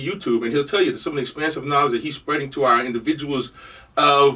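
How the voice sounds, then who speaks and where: Very fast, animated speech with an American accent. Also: man. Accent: New York Jamaican. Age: 60s. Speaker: radio host. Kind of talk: radio talk show intro. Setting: radio studio.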